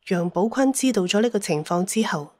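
A woman's voice: mid-range voice, lively intonation, a little fast, a little mellow, dry recording. Female storyteller with a dry, close sound. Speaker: audiobook narrator. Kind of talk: scripted dramatic story narration.

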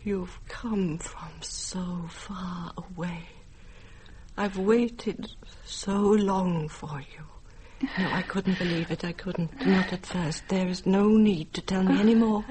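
An actress playing a proud elderly aristocratic grandmother in a drama, with a husky voice and a commanding, haughty way of speaking. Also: fairly low pitch, level tone, normal speed, few pauses, slight background noise, lightly acted. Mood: tearful. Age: older. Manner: haughty and commanding, softening into tearful tenderness. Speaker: actor in a drama. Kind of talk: stage or radio drama acting.

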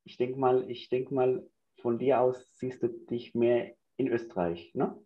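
A man in his thirties hosting a podcast over a video call on a headset, halting and hesitant with lots of fillers. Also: medium pitch, steady tone, muffled recording. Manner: halting, many fillers and restarts. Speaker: podcast host. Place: indoors, in front of a banner backdrop.

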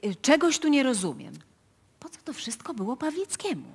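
An actress playing a puzzled, questioning prosecutor in a radio play, with a probing, businesslike manner. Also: female voice, high voice, very animated, moderate pace, husky, full character voice. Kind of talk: live radio play acting.

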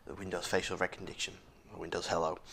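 This deep, creaky voice, a bit bright and barely moving in pitch, belongs to a man hosting a casual tech walkthrough on screen recording. He talks fast despite a sore throat that leaves him hoarse, filling gaps and restarting often.

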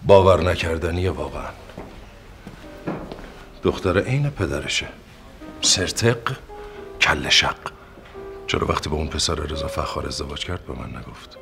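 An actor playing a stubborn, sarcastic uncle in a period TV drama, blustering and indignant. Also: male voice, rumbling low, gravelly, long pauses, music in the background. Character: stubborn sarcastic middle-aged uncle, innkeeper host.

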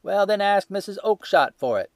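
A man doing a gruff shouting market salesman. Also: fairly high pitch, lively intonation, normal speed, dry recording, studio quality, pitched above the performer's own voice. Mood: furious. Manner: loud, hectoring, shouting. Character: gruff, blustering male market poultry salesman.

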